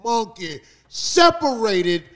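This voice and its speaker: A man hosting a studio talk show, joking loudly and profanely with his co-hosts. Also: very high-pitched, takes it slowly. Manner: profane, loud joking, animated. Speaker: podcast host. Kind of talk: crude comedic banter. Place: studio around a table.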